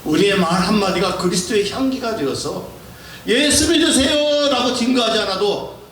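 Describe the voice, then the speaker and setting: A middle-aged male pastor preaching a sermon, swinging between loud exhortation and soft hushed asides and acting out family voices. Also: sits high, lively intonation, a little fast. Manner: acts out scolding and kind family voices. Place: church hall. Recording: roomy, distant mic with background noise.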